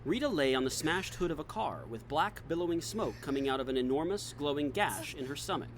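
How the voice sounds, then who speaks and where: A man narrating a scripted audio drama as a measured storyteller. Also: on the high side, expressive, slight background noise, close to an everyday voice. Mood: measured, descriptive. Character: measured male storyteller narrating grim events.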